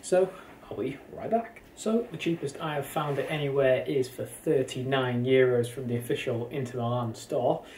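A man speaks at a fairly slow pace amid audible room echo and light background noise. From England. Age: 20s. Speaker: YouTuber, football shirt collector. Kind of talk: casual unboxing vlog. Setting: home recording to camera. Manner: hesitant, many filler ums. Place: home room. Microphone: camera far.

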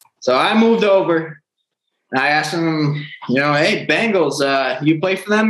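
A high-pitched man talks with audible room echo around him. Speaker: football player; podcast guest. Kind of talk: interview. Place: home room. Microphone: video call.

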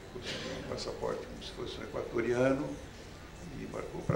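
The pace is fairly quick. A man speaks over noticeable background noise. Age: 60s. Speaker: journalist, torture survivor giving testimony; witness. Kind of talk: testimony. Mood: serious, measured. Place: meeting room. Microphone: podium.

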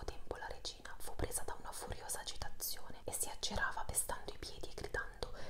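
Fairly quick whispering from a woman. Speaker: ASMR creator. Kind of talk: audiobook reading. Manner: whispered. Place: home room. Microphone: lapel.

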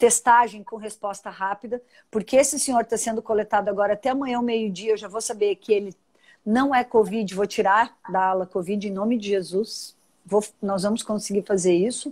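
With a southern Brazilian accent, a woman speaks at a moderate pace and fairly even intonation against a quiet background. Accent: gaúcho Brazilian Portuguese. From Rio Grande do Sul, Brazil. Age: 40s. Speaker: mayor and nurse; mayor. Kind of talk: live-stream interview. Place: home room. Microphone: too close to the mic at first; earbuds.

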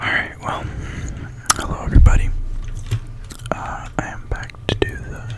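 Long, frequent pauses break up the speech, which has a dry sound with no echo over loud background noise. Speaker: ASMR gamer and streamer. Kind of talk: whispered gameplay commentary. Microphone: studio mic.

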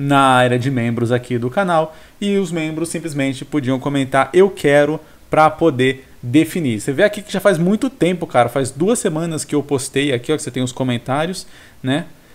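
With ordinary variation in his pitch, a man talks at a moderate speed. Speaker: teacher. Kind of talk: casual vlog chat. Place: home room. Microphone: webcam.

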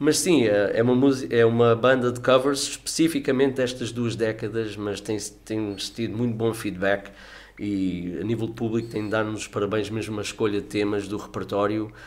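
A man with an unremarkable speaking voice talks at a moderate pace, medium in pitch with fairly even intonation. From United States, raised by Portuguese parents. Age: 50s. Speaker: doctor and musician; podcast guest. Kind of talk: casual chat. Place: studio. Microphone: studio mic.

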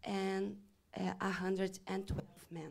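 Against a quiet background, a woman speaks in a Portuguese accent. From Brazil. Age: 40s. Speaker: pharmacist and biochemistry researcher; speaker. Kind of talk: conference presentation. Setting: stage with audience. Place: hall.

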